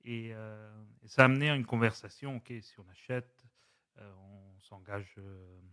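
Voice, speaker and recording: A man in his forties, a Spanish speaker, telling his story as a podcast guest in a measured, reflective way. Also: lowish voice, sharp tone, smooth. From Switzerland. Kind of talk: casual conversation.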